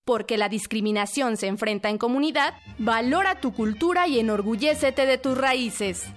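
Woman from Oaxaca, native Mixe speaker, earnest PSA read, slightly high voice. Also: animated, moderate pace, soft background music. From Oaxaca, Mexico. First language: Ayuuk (Mixe). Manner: proud, earnest. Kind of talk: scripted public service message.

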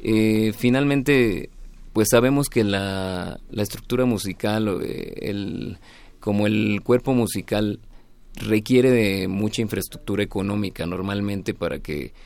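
A man with a very low voice and plenty of creak talks casually as a musician in an interview. He is reflective and hesitant, pausing to find the right word. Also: a little mellow. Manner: hesitant, reflective, searching for words. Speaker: musician, band leader being interviewed.

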